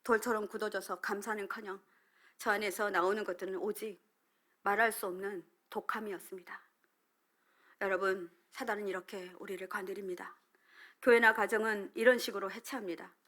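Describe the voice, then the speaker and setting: A middle-aged woman pastor giving a sermon with a personal testimony, moving between loud emphasis and hushed whispered asides. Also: mid-range voice, fairly even intonation, fairly quick.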